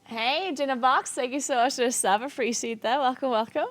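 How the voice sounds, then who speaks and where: Here a woman from South Tyrol, Italy, chats casually as a livestreamer, her English carrying a South Tyrolean accent since it isn't her first language. Her voice sits high and moves fairly quickly, and she giggles and laughs often as a game streamer and esports caster.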